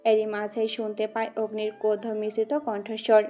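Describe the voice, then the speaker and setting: A woman narrating a dramatic audio story with steady, scripted storytelling. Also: medium pitch, moderate pace. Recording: muffled audio with background music.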